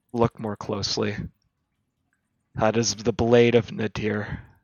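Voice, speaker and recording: A man puts on a growling character voice at a medium pitch. He speaks fairly slowly in a flat monotone. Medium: actual play. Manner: contemptuous, growling.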